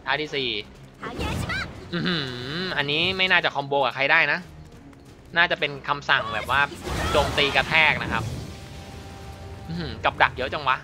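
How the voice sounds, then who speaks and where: A man's voice: medium pitch, normal speed, long pauses, over music. A man giving casual, chatty commentary while playing a mobile game, muttering to himself as he goes. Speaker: mobile game channel host.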